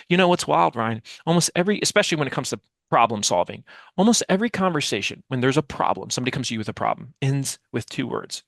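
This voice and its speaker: A man's voice: mid-range voice, gravelly, a bit bright, dry recording. A man in his forties explaining ideas as an interview guest, emphatic and full of rhetorical questions, on a headset mic. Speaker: guest, communication expert and author. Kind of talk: explanatory interview talk with acted-out example dialogue. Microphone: headset mic on a video call.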